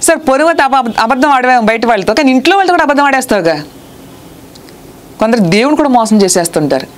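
A woman with a Telugu accent preaching a sermon, earnest and scolding, reading scripture slowly. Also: high-pitched, expressive.

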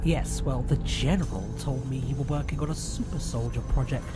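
A man's voice: mid-range voice, normal speed, music in the background, lightly acted. A man playing a quirky, inquisitive time traveller in an audio drama, polite and wry. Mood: curious, polite.

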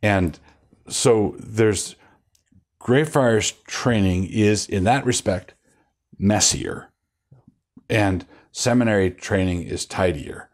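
An older man, a pastor, sits for an easygoing interview on a studio set with bookshelves, picked up by a lapel mic. His voice runs somewhat low, and his answers meander with false starts and a wry chuckle.

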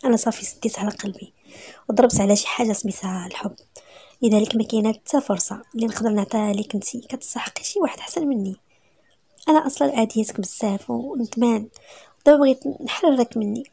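A woman with a Moroccan accent voicing a cold, distant young husband in a husky voice. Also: fairly high pitch, quick pace, mellow.

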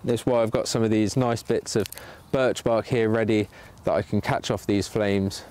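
This man's voice is fairly low, steady, and a little mellow, moving at a moderate pace. He's live in a sunny wood doing bushcraft, chatting casually with viewers as he demonstrates, with the camera looking down at his hands.

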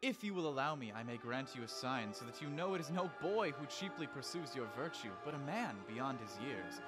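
A man playing an excitable, cocky high school boy who acts Romeo, dramatic and emphatic, in an audio drama. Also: brisk, loud music behind the voice, natural voice. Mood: lovestruck, florid.

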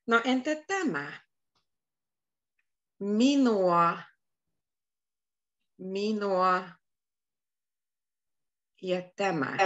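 A woman teaching a beginner online language class, speaking slowly, repeating words and adding English glosses. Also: mid-range voice, expressive, bright, forceful tone, lo-fi sound. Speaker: Finnish teacher.

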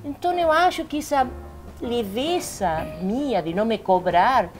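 An older woman, a native Spanish speaker with an Argentine accent, talking as a guest on a panel show. She is reflective, laughs at herself and jumps high in pitch when she gets animated. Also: normal speed, soft background music. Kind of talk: casual talk-show conversation. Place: living-room studio set.

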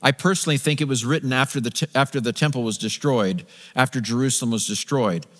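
A man's voice: medium pitch, fast talker. A middle-aged man preaching a sermon from a church stage, walking and gesturing, talking conversationally with frequent restarts and repeated words. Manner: conversational, walks the stage, gesturing with a Bible in hand. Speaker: pastor. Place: large church stage with a live congregation. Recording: long reverb of a large sanctuary.

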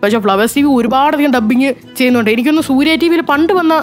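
A rapid, somewhat high-pitched woman from Kerala talks through a casual review vlog. She is chatty and often stumbles into fillers and restarts. Faint music plays softly behind her. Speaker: film dubbing reviewer, channel host.

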